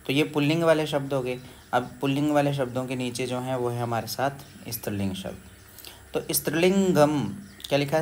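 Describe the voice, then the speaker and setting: A man explains a textbook lesson at a steady middle pitch. He repeats each word slowly and keeps checking that the class follows. A faint hum sits under his voice. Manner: patient, repeats words slowly with check-ins. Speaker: Sanskrit teacher.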